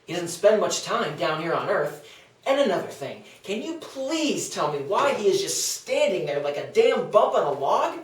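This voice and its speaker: A man's voice: high voice, very animated, moderate pace. A man playing a brash, scornful Athenian skeptic in a comedic table read, speaking with theatrical sarcasm. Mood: scornful, sarcastic. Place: small indoor meeting room. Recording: roomy, distant meeting-room pickup.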